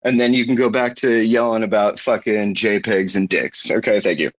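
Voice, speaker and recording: A man's voice: fairly low pitch, moderate pace, voice pushed down, close to an everyday voice, poor audio. A man voicing a fed-up man on a work call who politely brushes off his wife. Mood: dismissive. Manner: deadpan, politely dismissive.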